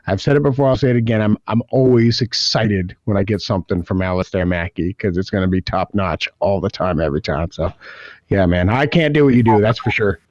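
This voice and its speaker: A man's voice: lowish voice, brisk, a little mellow, no room sound. An American man co-hosting a podcast interview, chatting enthusiastically and praising the guest. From United States. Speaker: podcast co-host. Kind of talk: casual interview chat. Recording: dull dry remote mic.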